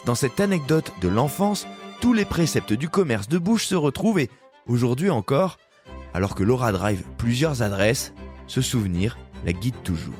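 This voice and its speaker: A man of middle pitch hosts a podcast. He reads his intro with emphatic rises on key words and then moves into relaxed questions. Faint music plays under his voice. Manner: lively, emphatic narration rising on key words. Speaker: podcast host. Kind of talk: scripted intro then interview.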